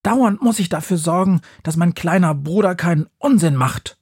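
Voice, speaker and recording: A man's voice: lively intonation, a little slow, darkish tone, husky, dry recording, clean studio sound. A man voicing a bossy, scolding little witch who hisses and nags at her brother. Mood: rousing. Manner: hissing, scolding, shrill.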